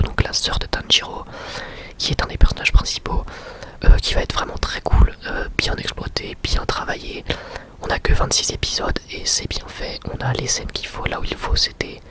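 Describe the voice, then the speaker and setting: Whispering man, ASMR review. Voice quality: breathy, unvoiced whisper. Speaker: ASMR video creator and anime reviewer.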